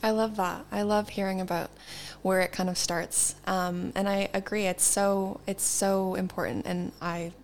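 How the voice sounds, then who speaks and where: A woman's voice: mid-range voice, little pitch movement, a little slow, slight background noise. A young woman hosting a podcast, upbeat and enthusiastic as she introduces her guest. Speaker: podcast host. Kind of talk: podcast interview. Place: university institute in London.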